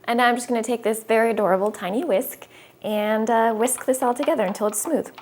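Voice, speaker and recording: A woman's voice: on the high side, fast talker, background noise. A young woman in her twenties hosting a casual cooking video in her home kitchen, chatty and upbeat as she explains each step. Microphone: small lapel mic.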